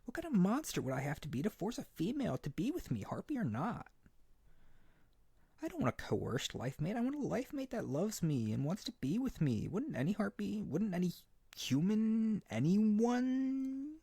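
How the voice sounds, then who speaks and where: A man playing an earnest, lovesick young harpy bird-boy in a roleplay audio drama, gentle and insecure, speaking tenderly with hesitant stammers. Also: high voice, sing-song, moderate pace, creaky, breathy edge, no room sound, exaggerated voice. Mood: hurt, pleading. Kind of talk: roleplay audio drama spoken intimately to the listener.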